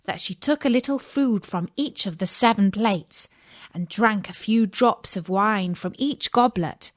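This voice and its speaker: A woman storyteller narrating a scripted children's fairy tale in a measured, deliberate read-aloud delivery. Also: medium pitch, no room sound, clean studio sound.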